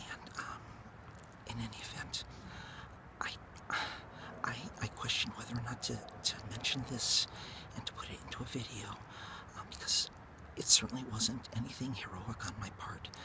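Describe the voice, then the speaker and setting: A man whispers at a moderate pace with long, frequent pauses over noticeable background noise. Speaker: ASMR creator. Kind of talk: casual talk to camera. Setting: outdoors. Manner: whispered.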